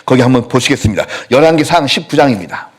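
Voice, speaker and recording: A male pastor preaching a sermon in a church, telling stories with lively acted-out quotes. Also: medium pitch, fast talker. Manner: animated storytelling, acting out quotes. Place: church sanctuary.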